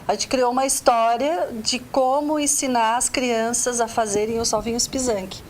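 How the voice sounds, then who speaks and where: A woman's voice: a little high, steady tone, normal speed, a little hiss or hum, poor audio. A woman teacher with a Southern Brazilian accent, telling stories in a casual talk-show interview, with many restarts. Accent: Southern Brazilian Portuguese. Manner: chatty storytelling with restarts. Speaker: teacher and arts coordinator.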